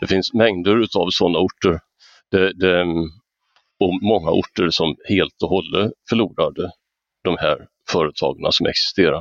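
A man speaks at a moderate pace with very even loudness and long, frequent pauses. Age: 60s. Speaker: economic historian and author. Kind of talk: panel discussion.

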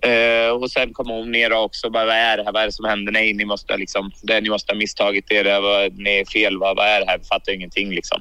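With a slight Östergötland accent, a man speaks at a fairly low pitch and a fairly quick pace. His intonation is flat and monotone, his tone bright and sharp. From Norrköping, Sweden. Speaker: sports bettor. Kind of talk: interview.

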